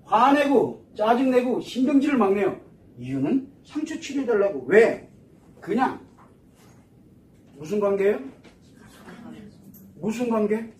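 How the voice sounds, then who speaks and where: A man giving a psychology lecture to an audience, animated and full of rhetorical questions. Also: sits high, unhurried, pauses often, slight background noise. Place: lecture hall. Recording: echoey room from far off.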